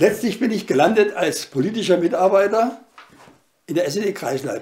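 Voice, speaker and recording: Pitched high, a man's voice moves with lively intonation. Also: moderate pace. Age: 80s+. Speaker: contemporary witness, former army officer. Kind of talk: oral history interview. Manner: halting, with repeated words.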